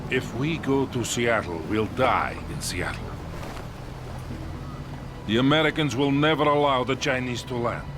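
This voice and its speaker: An actor playing a Soviet colonel who speaks gravely and steadily about his beaten men. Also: mid-range voice, measured pace, long pauses, lightly acted. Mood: grim. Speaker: army colonel. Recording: game cutscene with loud music behind.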